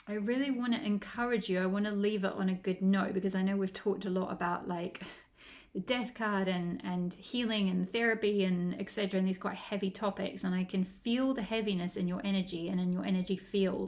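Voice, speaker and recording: A woman's unremarkable speaking voice at medium pitch, with fairly even intonation, very even loudness and a fairly quick pace. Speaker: tarot reader and holistic healer. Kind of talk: tarot reading channelled message.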